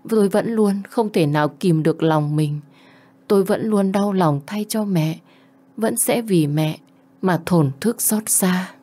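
A woman's voice: lowish voice, mellow. A woman in her twenties narrating a first-person family story in a tender, emotional way. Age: 20s.

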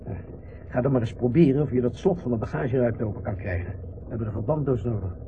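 A man's voice: medium pitch, quick pace, natural voice. Guy playing a grumpy middle-aged businessman, curt and sceptical, old tinny radio drama with some hiss. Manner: curt, dismissive, hesitating. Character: irritable, overstrained married factory owner, gruff and sceptical. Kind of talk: radio play acting. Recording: dull, hissy old radio play recording.

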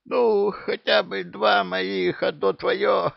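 A man's voice: fairly low pitch, wildly swooping pitch, slow, vocal fry, no room sound, highs cut off, full character voice. A man doing a wheezing crafty saint-thief. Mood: indignant. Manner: wheezing, indignant.

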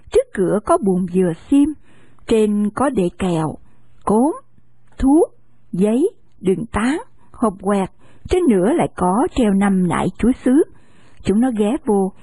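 A woman narrating an audiobook novel in an expressive reading voice. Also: medium pitch, slightly rough, no room sound.

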